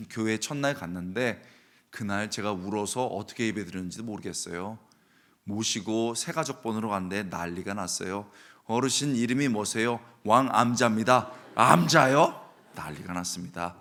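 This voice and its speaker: Low-voiced male preacher, questioning the congregation. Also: moderate pace. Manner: acts out quoted voices with sudden high cries; asks the congregation direct questions. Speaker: preacher at a dawn prayer service. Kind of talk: sermon with personal stories.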